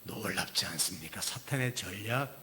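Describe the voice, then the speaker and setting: A male pastor preaching a sermon, dramatic, dropping to whispers and rising to loud acted quotes. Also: on the low side, expressive, moderate pace, a little hiss or hum.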